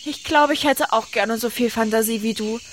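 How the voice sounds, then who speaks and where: A woman's voice: a little high, moderate pace, slight background noise, lightly acted. A woman playing an enthusiastic professor of adventure in a children's audio drama. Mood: eager. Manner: bright, enthusiastic.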